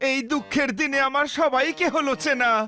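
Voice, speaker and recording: A man's voice: very high-pitched, steady tone, normal speed, pushed and bright, faint music behind. A man voicing a melodramatic, self-pitying male cartoon character who laments theatrically. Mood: woeful. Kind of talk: cartoon dub acting.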